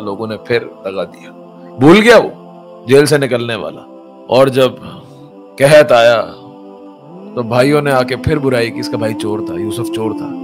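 A man speaks over clear music in the background. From Pakistan. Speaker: Islamic motivational speaker / teacher. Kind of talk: Islamic motivational sermon. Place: studio. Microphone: studio mic.

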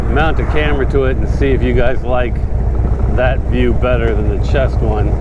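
A man's voice has a dry sound with no echo. Loud background noise fills the clip. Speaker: motorcycle vlogger. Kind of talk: casual vlog chat. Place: motorbike.

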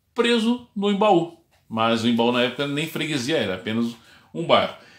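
A man speaks with a bright, sharp tone and very wide pitch swings. Echo from the room is audible. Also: quiet background. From Brazil, São Paulo state interior (Vale do Paraíba); São Paulo state, Brazil. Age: 50s. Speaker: teacher and local historian; teacher. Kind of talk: memorial tribute livestream talk. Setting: Facebook live from home study. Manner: hesitant, with many fillers. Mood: reverent, reminiscing. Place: home room. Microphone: webcam.

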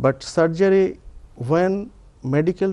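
The tone is dark and mellow. The speech carries a Bangladeshi accent. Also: man. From Bangladesh (Kushtia). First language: Bengali. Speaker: neurosurgeon. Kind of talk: TV interview. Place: studio. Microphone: lapel.

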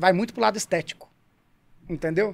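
This man's voice is high in pitch. It moves with ordinary pitch variation. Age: 30s. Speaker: motivational speaker; podcast guest, speaker. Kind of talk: casual chat. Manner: halting. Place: studio. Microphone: studio mic.

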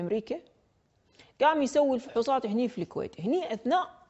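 With a Kuwaiti accent, a woman speaks quickly at a high pitch, her voice swinging very widely, against a quiet background. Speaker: TV presenter and arts critic; TV presenter. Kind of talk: casual talk-show commentary. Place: studio. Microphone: lapel.

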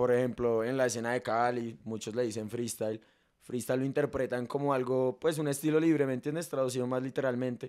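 Against a quiet background, a man with a medium-pitched voice speaks at a fairly quick pace with fairly even intonation. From Bogotá, Colombia. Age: young. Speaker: rapper; podcast guest. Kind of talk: casual chat. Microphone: studio mic.

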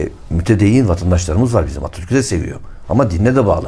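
A man's fairly low, somewhat breathy voice, dark and mellow in tone, with lively intonation and audible room echo. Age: 60s. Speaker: lawyer and local party leader. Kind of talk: interview.

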